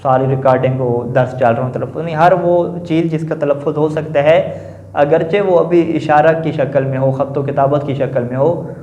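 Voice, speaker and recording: A male teacher giving a classroom lecture on grammar, posing questions to the class and answering them himself, often adding a quick confirming filler. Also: fairly high pitch, fairly even intonation, slight background noise. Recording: echoey room, dull lo-fi sound.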